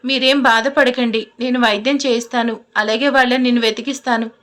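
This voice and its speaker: Brief: woman voicing kind young man, soft emotional pleading, higher-pitched, audio storybook. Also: steady tone, a little fast, close to an everyday voice. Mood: tender. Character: gentle, caring young man, tearful and kind.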